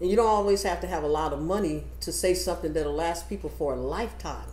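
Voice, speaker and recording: The speaker talks at a very fast pace. Echo from the room can be heard. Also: woman. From Missouri, US Midwest. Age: 60s. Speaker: stand-up comedian. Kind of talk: casual chat.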